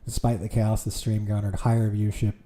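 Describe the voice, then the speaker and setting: Mellow-voiced man streaming from home. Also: on the low side, monotone, a little fast, slight background noise. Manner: reads aloud with amused reactions. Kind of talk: casual streaming commentary.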